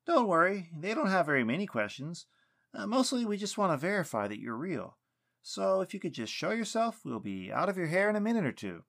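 Narrator as a polite, awkward investigator, pitched up. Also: male voice, big pitch swings, brisk, gravelly, a bit bright, heavily acted. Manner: hesitant, courteous, businesslike. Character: polite, awkward male investigator, doubtful but firm. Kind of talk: audiobook character dialogue.

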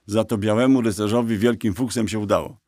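A man's voice: on the low side, fairly even intonation, fairly quick, darkish tone, no echo, studio quality, natural voice. A man voicing a cheeky little black horse. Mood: sly. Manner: sly, mocking storyteller. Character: small black talking horse, cheeky and boastful. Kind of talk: audiobook character voice.

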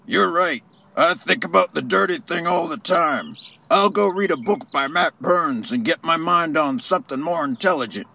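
A man puts on a sleazy street guy in a homemade mock ad. His voice is gravelly and pitched a bit high, and a noticeable hiss sits under it on the recording. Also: normal speed, bright, forceful tone. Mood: sheepish. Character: sleazy man soliciting a date, then sheepish. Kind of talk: comedic mock ad skit.

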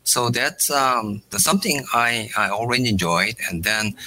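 A middle-aged man from South Korea, a native Korean speaker, answering interview questions in halting phrases full of "uh" pauses. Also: medium pitch, bright, forceful tone, slight background noise, poor audio. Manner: halting, many "uh" fillers between short phrases. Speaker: startup founder, guest.

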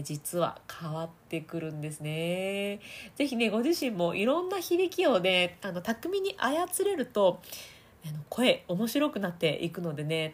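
A woman hosts a casual voice-training podcast. Her voice is breathy and a touch husky, with a lively, swinging pitch. She chats freely, laughs often and slips into demonstration voices. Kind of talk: casual audio podcast talk.

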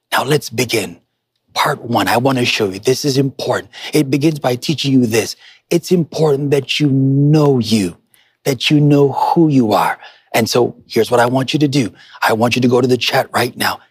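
A man's voice: mid-range voice, slightly rough, no room sound. A man preaching a motivational sermon as a pastor, speaking emphatically and instructing listeners directly, repeating key phrases for weight. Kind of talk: motivational sermon to an online congregation.

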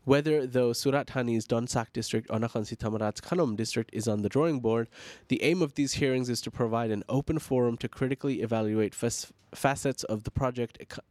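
A man's voice: mid-range voice, a little mellow, dry recording. A male host of a morning news show with a stuffed-up, nasal voice, reading the news fluently, then chatting loosely with fillers and restarts. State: congested, nasal voice. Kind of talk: reading news, then casual sign-off chat.

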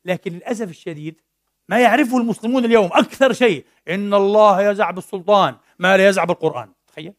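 Fast, high-pitched man preaching a sermon. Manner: animated storytelling, mixing classical and colloquial Arabic. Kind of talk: Friday sermon. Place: mosque.

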